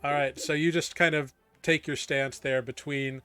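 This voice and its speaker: A man running a tabletop game as game master, narrating casually in halting, improvised descriptions. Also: on the high side, steady tone, over music.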